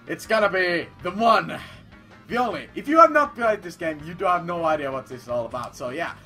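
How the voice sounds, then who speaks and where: Bright-voiced, playful let's-play man. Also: high voice, lively intonation, a little fast, faint music behind. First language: not English. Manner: rambling, playful, repeats phrases, bursts into loud declarations. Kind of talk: casual gameplay commentary.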